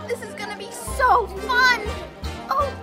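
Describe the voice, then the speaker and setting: A woman playing an eager, naive young student, perky, chatty and excitable, in an audio drama. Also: extremely high pitch, slow pace, over music, a crowd in the background. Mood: excited, eager.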